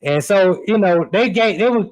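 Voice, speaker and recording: A man's voice: high voice, moderate pace. Man telling stories casually. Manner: relaxed, conversational, with frequent fillers and repeats. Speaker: podcast guest, sports radio producer and host. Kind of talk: casual storytelling chat.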